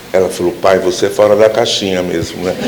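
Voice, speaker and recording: Amid noticeable background noise, a man's voice carries audible room echo. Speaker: Jungian psychotherapist. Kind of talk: talk at event. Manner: halting.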